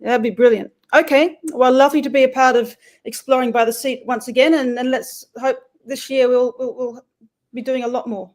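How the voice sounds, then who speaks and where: A woman's voice: high voice, fairly even intonation, normal speed, darkish tone. Rambling woman guest on a call. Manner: rambling with many ums and restarts. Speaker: expedition cyclist guest. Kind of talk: casual interview over a call.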